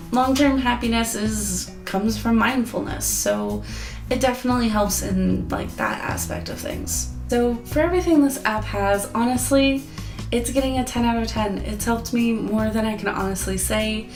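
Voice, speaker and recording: Hoarse young woman, gravelly vlog voice. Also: on the high side, unhurried, a little mellow. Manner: chatty, earnest, rambling. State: losing her voice. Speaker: app reviewer. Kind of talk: casual review vlog. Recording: echoey room with guitar music.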